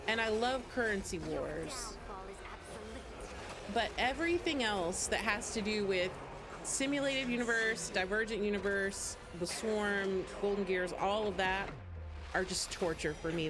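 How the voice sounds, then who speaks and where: A woman with a medium-pitched voice hosts a game livestream, chatting casually and answering viewers while she plays. Game music runs behind her, and the background is noisy.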